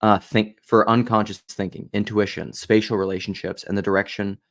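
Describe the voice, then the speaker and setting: Low gravelly guy rambling on camera, hopping from idea to idea. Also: level tone, fairly quick. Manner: rambling, jumps between ideas. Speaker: video commentator. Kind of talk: casual commentary and reading aloud.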